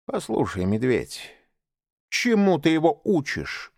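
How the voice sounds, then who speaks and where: A man's voice: on the high side, wildly swooping pitch, slow pace, a little mellow, no room sound, studio quality, voice pushed up, heavily acted. A man doing a stern scolding panther. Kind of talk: audiobook character voice.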